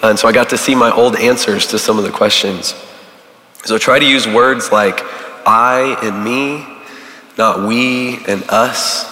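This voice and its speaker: A man, a church volunteer giving a casual teaching to a recovery group, halting with many fillers while he is losing his voice. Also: lowish voice, bright, forceful tone. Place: large church hall. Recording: echoey hall with long reverb.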